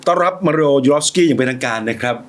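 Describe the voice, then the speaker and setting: A man's voice: mid-range voice, rapid-fire, a little hiss or hum. A Thai man hosting a casual interview in simple English with a Thai accent, asking short questions and giving brief backchannels. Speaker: talk show host.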